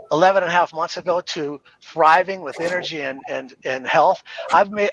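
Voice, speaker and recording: A man's voice: on the high side, fairly bright tone. A man giving an emotional personal testimony, emphatic and repetitive, choked up. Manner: emphatic, repeats himself. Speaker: viewer sharing a testimonial. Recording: dull, dry lo-fi sound.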